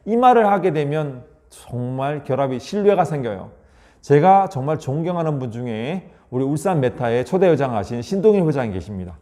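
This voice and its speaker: A man giving a lecture on communication between married couples, acting out short spousal exchanges and often asking listeners to agree. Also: dark tone. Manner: acts out short spousal dialogues with exaggerated pitch; frequently seeks agreement from listeners. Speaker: leadership lecturer.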